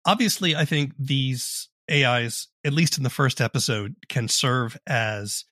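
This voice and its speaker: A man's voice: medium pitch, unhurried, pushed and bright, no echo, clean studio sound. A man interviewing a guest in a thoughtful, conversational podcast style.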